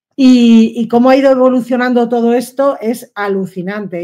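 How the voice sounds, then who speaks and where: A woman's voice sits at a fairly high pitch with a dark, mellow tone. Her intonation stays fairly even. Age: 60s. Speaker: channel creator and businesswoman. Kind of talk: podcast conversation.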